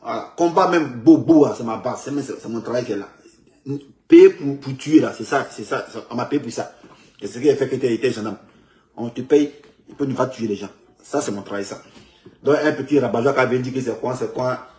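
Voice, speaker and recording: A man with an Ivorian French accent rambling through animated street commentary, repeating his words as he goes. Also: mid-range voice, brisk, roomy sound. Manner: animated, repetitive, loops back on his words. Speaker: man in a circulated video clip.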